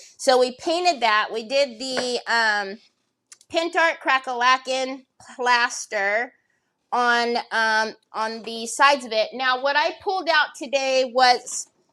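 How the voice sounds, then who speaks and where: A woman uses a raised, projected voice with a bright, sharp tone, high pitch and ordinary pitch variation, speaking at a very slow pace on a very clean recording with a silent background. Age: 50s. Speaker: craft livestreamer, store owner. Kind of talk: casual livestream chat, craft tutorial. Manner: chatty, rambling, repetitive.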